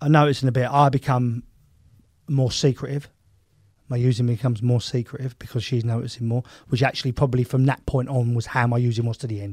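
A man with a London accent talks at a very fast pace in a medium-pitched, somewhat breathy voice. His intonation stays monotone and flat. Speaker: ex-footballer and author. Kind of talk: casual interview chat.

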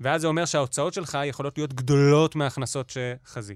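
The man talks at a moderate pace in a fairly high pitch. The sound is dry and close with no echo, on a very clean recording with a silent background. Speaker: podcast host explaining news. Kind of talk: news explainer chat. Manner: exaggerated, energetic mic delivery; didactic, explanatory.

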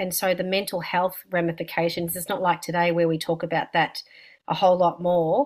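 A woman speaks with an Australian accent. The recording is very clean, with a silent background. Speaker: podcast host, health coach. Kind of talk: interview.

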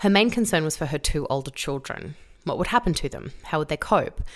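A woman speaks fairly quickly in an Australian accent. The recording is very clean, with a silent background. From Victoria, Australia. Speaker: podcast host. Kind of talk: casual interview.

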